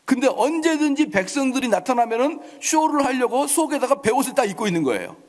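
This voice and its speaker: Animated Korean pastor preaching in a reverberant church. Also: male voice, extremely high pitch, quick pace. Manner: acts out the mocking king in dramatic voices. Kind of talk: sermon. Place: church sanctuary.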